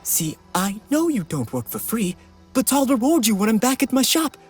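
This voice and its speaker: A woman's voice: a little high, very animated, moderate pace, darkish tone, husky, soft background music. An actress voicing an anxious woman shopkeeper in a video game, worried and pleading as she talks. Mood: secretive, pleading. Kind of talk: video game character acting.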